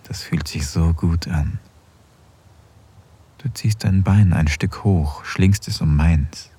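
An actor playing an affectionate married man in an intimate audio drama, speaking softly and close to a whisper. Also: low-pitched, breathy edge, heavily acted. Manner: soft, intimate, often near a whisper. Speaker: husband in an erotic audio drama.

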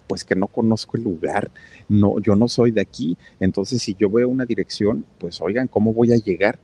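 A worried, pleading poor father who works as a mailman, as a man puts him on in his own husky, low voice. He sounds like a plain storyteller's quote rather than a full character voice. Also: normal speed, dark tone, dry recording. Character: poor hard-drinking father working as a mailman.

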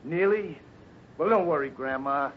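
Desperate outlaw for male actor: high voice, slangy, cocky and threatening, 1950s radio western, muffled old recording. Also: unhurried, slight background noise, close to an everyday voice. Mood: menacing. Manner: threatening, slangy, uneducated speech. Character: snarling desperate outlaw gunman, bullying and cocky.

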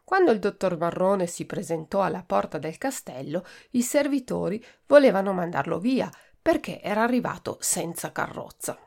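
Gravelly woman reading a storybook. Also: on the low side, moderate pace, few pauses. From Italy. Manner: expressive, clear storytelling. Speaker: podcast host reading a children's book. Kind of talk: storybook read-aloud.

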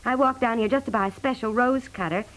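A woman's voice: a little high, quick pace, lightly acted. An actress playing a polite, flustered suburban wife and mother in a 1950s radio comedy, chatty and nervously sociable. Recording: noisy vintage 1950s radio recording.

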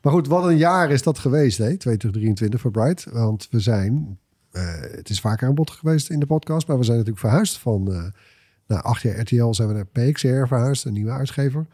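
A man co-hosting a podcast in casual chat, halting and repeating words as he goes. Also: medium pitch, expressive, warm tone, breathy edge. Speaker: podcast co-host.

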